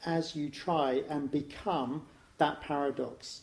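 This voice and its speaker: A man with an English accent speaks in a dark, mellow tone. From England. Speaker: Buddhist teacher. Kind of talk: dharma talk.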